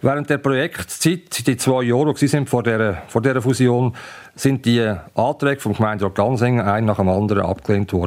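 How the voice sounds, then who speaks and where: With a normal speaking voice, a man talks at a fairly quick pace, his medium pitch showing ordinary pitch variation and very even loudness. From Aargau, Switzerland. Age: 50s. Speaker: village mayor. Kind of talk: interview.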